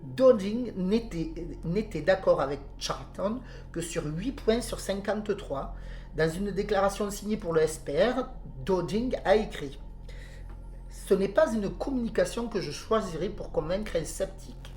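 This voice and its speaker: A woman's voice: medium pitch, expressive, measured pace, darkish tone. A woman with a southern French accent, co-hosting a podcast and reading out a report, hesitating with fillers when she talks freely. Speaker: podcast co-host. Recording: roomy home podcast recording.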